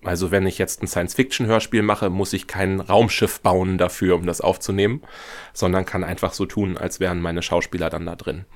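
A man from northern Germany who makes radio dramas, talking as a guest in a relaxed and thoughtful way with many fillers. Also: low voice, fairly quick. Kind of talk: casual interview talk.

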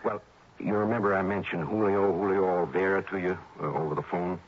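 An actor playing an earnest, worried male friend who explains in halting, hesitant phrases in an old radio drama. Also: deep voice, steady tone. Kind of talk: 1950s-60s radio drama acting. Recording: dull old radio broadcast.

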